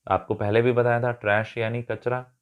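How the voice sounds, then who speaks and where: A man's voice: mid-range voice, little pitch movement, moderate pace, clean tone, dull audio. A man teaching English vocabulary in a spoken lesson, explaining words, mixing English terms into his talk, spelling some out letter by letter and now and then correcting himself. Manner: corrects himself mid-sentence.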